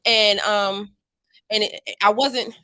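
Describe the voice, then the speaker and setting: Podcast guest, young adult woman, bright voice, motivational storyteller, dry close sound. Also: medium pitch, takes it slowly, dry recording. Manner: animated storytelling, preachy motivational tone. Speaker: podcast guest, dance fitness instructor. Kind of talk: casual podcast chat.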